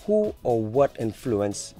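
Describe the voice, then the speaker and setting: A man interviewing a singer, asking questions in a smooth, measured, complimentary way. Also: mid-range voice, very animated, mellow, soft background music.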